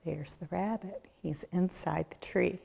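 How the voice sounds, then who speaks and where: A woman reading a children's picture book aloud as a nature educator, with a deliberate, questioning storyteller delivery. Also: fairly low pitch, creaky, warm tone, breathy edge. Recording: echoey room with long reverb.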